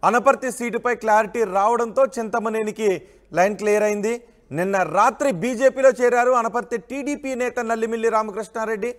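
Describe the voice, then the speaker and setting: A man's voice: high-pitched, a little fast. A man anchoring a live news bulletin and putting questions to a field reporter.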